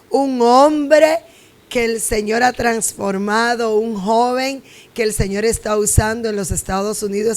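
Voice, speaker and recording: A woman pastor hosting a Christian interview, speaking in a preachy, exhorting way. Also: mid-range voice. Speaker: pastor and host.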